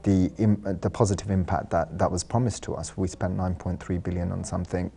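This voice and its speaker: A man's voice: sits low, flat delivery, a little fast, vocal fry, mellow, breathy edge. A man, an artist and designer, answering interview questions thoughtfully in a studio, with frequent ums and you-knows. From London. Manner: thoughtful, uses fillers like um and you know.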